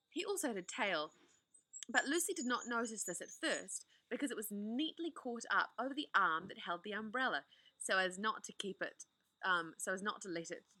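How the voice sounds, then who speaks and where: Woman reading a kids book out loud, bright lively voice, dry sound, little slips here and there. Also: fairly high pitch, dry recording. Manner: expressive read-aloud with small slips. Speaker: storybook reader. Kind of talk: reading a children's novel aloud.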